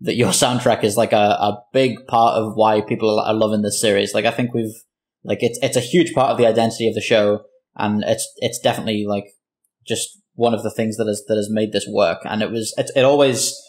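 A man talks casually on a podcast panel in a slightly low, flat-toned voice. He is appreciative in what he says and hesitant, restarting phrases as he goes. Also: fairly quick. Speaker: show creator, podcast panelist. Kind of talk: casual roundtable chat.

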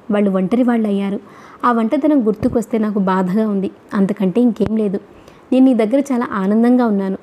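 Give me a woman reading a heartfelt young wife in an audiobook, soft and mellow. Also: lightly acted. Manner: pleading, low and choked. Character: young married woman, earnest and emotional.

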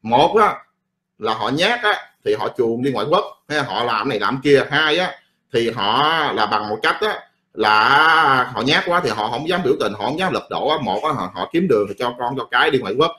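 A man's voice: mid-range voice, expressive, normal speed, pushed and bright. A middle-aged man who rants about politics in a casual, blunt and profane way, rambling and repeating himself. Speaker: political commentator.

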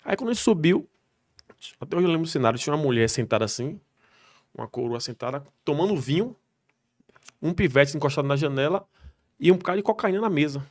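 Cop guy on a podcast, talks real fast, slangy, kinda high voice, telling a story. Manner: slangy, animated anecdote telling. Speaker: military police soldier guest.

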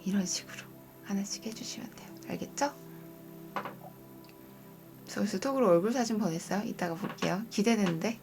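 A young woman coaching viewers on a live stream in a soft, coaxing way that drifts into whispers. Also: medium pitch, animated, a little fast, creaky, pauses often. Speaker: breathing and wellness coach. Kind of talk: live-stream chat reading viewer comments. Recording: music playing behind.

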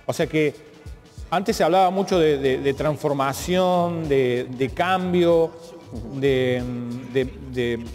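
A somewhat high-voiced man with a Cordobese Argentine accent conducts a reflective interview. He phrases things haltingly and thoughtfully, often doubling back on words. His voice rings in a big hall, with music underneath. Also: darkish tone. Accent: Cordobese Argentine Spanish. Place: large art gallery, indoors.

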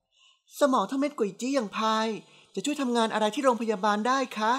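Woman reader doing young heroine: cheeky, coaxing, raised pitch, audiobook. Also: fairly quick, natural voice. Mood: teasing. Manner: bright, coaxing and sassy. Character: playful cheeky young woman, teasing niece.

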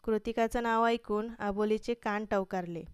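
Woman storyteller, steady expressive reading, very clear voice, dry close sound. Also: medium pitch, moderate pace, no room sound. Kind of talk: scripted story narration.

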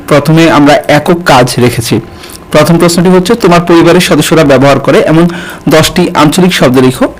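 A man teaching an exam-prep lesson and speaking straight to his students, pausing often with hesitations. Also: on the high side, low-quality recording. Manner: addresses students directly, frequent hesitations. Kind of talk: online exam-prep tutorial.

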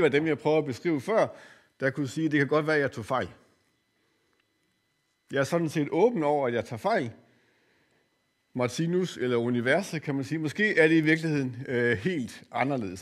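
An older man giving a spiritual lecture in a course center, speaking reflectively and pausing often with hesitant fillers. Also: fairly high pitch.

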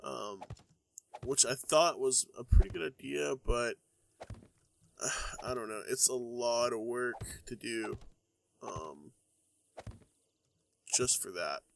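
A man's voice: medium pitch, lively intonation, slow pace, vocal fry, pauses often, slight background noise. Congested young man rambling over gameplay. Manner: rambling, many ums and uhs. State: congested from a cold. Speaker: gaming YouTuber. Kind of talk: casual let's-play commentary.

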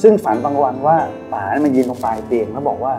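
A man's voice: mid-range voice, fast. Middle-aged man telling a story over guitar. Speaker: guest. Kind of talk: telling a personal story on a talk show.

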